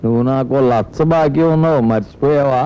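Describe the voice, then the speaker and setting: An older actor playing a gruff, threatening father-in-law who demands his money, from an old comedy film. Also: medium pitch, brisk, warm tone, lightly acted. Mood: demanding. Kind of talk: 1990s comedy film dialogue. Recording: dull old film soundtrack with music.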